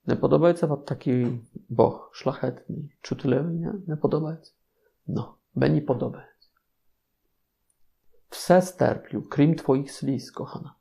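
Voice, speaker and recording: This is a male Capuchin preacher with a Polish accent, talking through an informal sermon. His voice sits a little high but sounds dark and gravelly, and he delivers it slowly, with teasing, ironic asides to his listeners.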